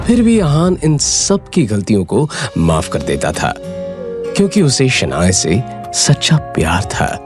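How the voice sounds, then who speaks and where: Expressive male story narrator. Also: lowish voice, slow pace. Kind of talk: dramatic audio story narration. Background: background music.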